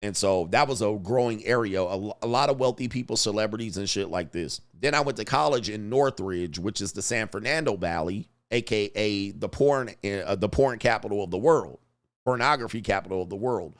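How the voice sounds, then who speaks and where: A man's voice: fairly low pitch, fairly quick. A middle-aged man from Southern California, hosting a casual livestream and reading viewer super chats with laughing, mocking asides.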